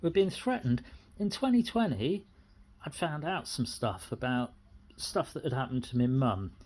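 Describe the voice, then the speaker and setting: An aggrieved middle-aged British tenant talks off the cuff in a soft-edged, mellow voice. The pitch sits in a middle register and moves around freely. The delivery is indignant and repetitive, like a personal complaint spoken without a script. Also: animated, moderate pace. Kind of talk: unscripted personal grievance monologue.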